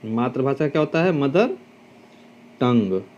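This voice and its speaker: A man teaching English translation to students, slowly dictating English phrases and spelling words out letter by letter, sometimes correcting himself as he thinks aloud. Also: medium pitch, expressive, darkish tone, muffled recording. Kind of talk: translation lesson explaining Hindi sentences.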